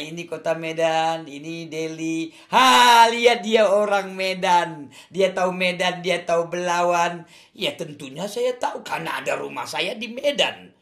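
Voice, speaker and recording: A man's voice: high-pitched, fairly bright tone. A man from Aceh with an Acehnese accent, telling his faith story in a casual interview, earnest and emphatic, repeating his points. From Aceh, Indonesia. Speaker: guest testifying about his faith. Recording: echoey room.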